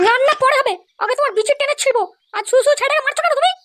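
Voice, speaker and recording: A brash cartoon wife, acted by a woman, always ready for a fight. Her shrill voice sits extremely high and moves quickly, with slight noise in the recording. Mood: indignant. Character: brash, foul-mouthed, quarrelsome cartoon wife. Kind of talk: crude comedy cartoon dialogue. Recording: faintly noisy cartoon soundtrack.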